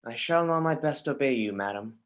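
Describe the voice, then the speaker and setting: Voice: mid-range voice, animated, fairly quick, lightly acted. An actor playing a grieving, bitter young prince in a livestreamed Shakespeare reading, with brooding, emphatic verse delivery.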